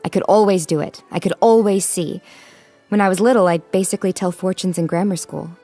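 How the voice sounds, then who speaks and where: An actress playing a playful, confident young psychic tarot reader in an audio comedy, with an American accent and a teasing, dryly amused manner. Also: female voice, on the low side, a little fast, warm tone, faint music behind. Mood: assured. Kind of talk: audio drama comedy acting, conversational.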